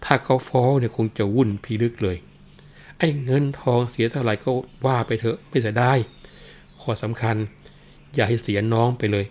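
A man's voice: mid-range voice, fairly even intonation, normal speed, darkish tone, voice pushed up, lightly acted. A man voicing a cowardly bald rich man who whines, wails and fakes illness and possession. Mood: whining. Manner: whiny, wailing, feigns illness and spirit possession.

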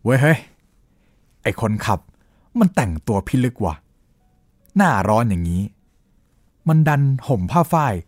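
A man voicing a rough-talking village man who tells of a ghostly encounter with blunt, coarse speech. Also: medium pitch, measured pace, long pauses, no room sound, studio quality, soft background music. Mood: uneasy recounting. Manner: lively storytelling, rising and falling. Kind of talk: Thai audio-drama storytelling.

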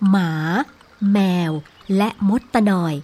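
A woman's voice: slow, dark tone. A woman narrating a scripted story for young children as the storyteller.

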